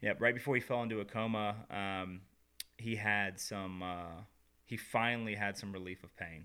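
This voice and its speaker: A man with an American accent, a fairly low pitch, a bright, sharp tone, fairly even intonation, big swings in loudness and a moderate pace, in a very clean recording with a silent background. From Georgia, US (Peachtree City, near Atlanta). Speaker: podcaster, former sheriff's office worker. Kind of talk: personal testimony in interview. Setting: studio, in person.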